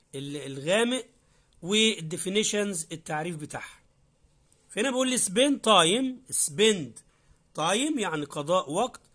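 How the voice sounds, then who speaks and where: A man with an Egyptian accent speaks at a high pitch and a fairly slow pace, in a bright, sharp tone with very wide pitch swings. The recording is very clean, with a silent background. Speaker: English teacher. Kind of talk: tutorial. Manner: halting.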